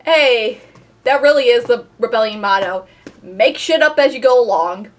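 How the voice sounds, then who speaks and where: High-voiced, sarcastic woman reacting. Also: moderate pace. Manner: sarcastic, sweary. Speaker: reaction video host. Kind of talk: casual reaction commentary.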